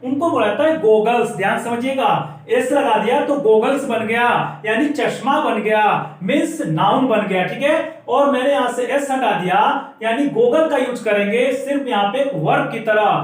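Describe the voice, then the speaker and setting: A man teaching an English lesson, explaining patiently and slowing down to repeat example words for dictation. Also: extremely high pitch, distant mic. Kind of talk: classroom-style language lesson. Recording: very echoey room, voice off-mic.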